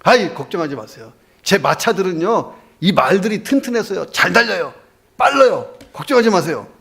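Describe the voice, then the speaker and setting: A man's voice: high-pitched, very animated, moderate pace, vocal fry, a bit bright, pitched above the performer's own voice, exaggerated voice. A man voicing a complacent rich traveler who keeps brushing off warnings in a breezy, reassuring way, told as a story in a sermon. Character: complacent rich old traveler, cheerfully stubborn.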